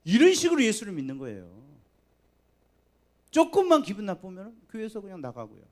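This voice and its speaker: A man preaching a sermon in a church. He swings between soft, low asides and loud, emphatic appeals to the congregation. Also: huge pitch swings, fairly quick. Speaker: pastor. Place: church sanctuary.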